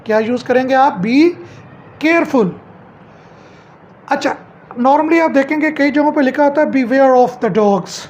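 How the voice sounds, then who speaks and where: A woman's voice: high-pitched, takes it slowly, long pauses, darkish tone, dull audio, slight background noise. A middle-aged woman at home teaching English phrases, asking each one back as a question and then answering it.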